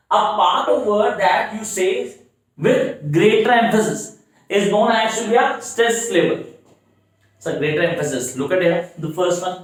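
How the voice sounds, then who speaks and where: A man teaching English poetry terms in an exam-prep lecture, reading lines slowly and repeating words to drill them. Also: fairly high pitch. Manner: slow, drawn-out word-by-word reading and repeating. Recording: echoey room, from a distance.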